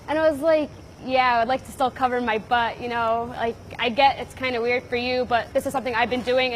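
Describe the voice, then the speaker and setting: A young woman chats casually. Her voice is fairly high. A faint noise runs behind her. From United States. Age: young adult. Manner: casual, chatty, retells conversations. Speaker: university student and runner.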